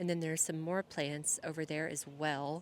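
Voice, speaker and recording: A soft-spoken woman talks in a very deep, low voice. Her delivery is monotone and flat, at a fairly quick pace. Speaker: vlogger. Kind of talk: casual vlog talk. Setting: outdoors.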